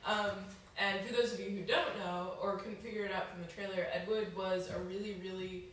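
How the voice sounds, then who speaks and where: A woman's voice: mid-range voice, fairly even intonation. A young woman co-hosting a casual chat show, giggling and chiming in often. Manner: giggly, quick to agree and chime in. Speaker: co-host. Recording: echoey room, mic far off, noisy.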